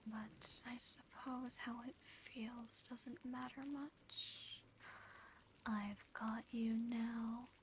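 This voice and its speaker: Woman playing possessive, tender female demon for ASMR roleplay: very slow, close intimate whisper, soothing and gently teasing, background noise. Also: fairly high pitch, steady tone, heavily acted, poor audio. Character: affectionate, possessive female sleep paralysis demon.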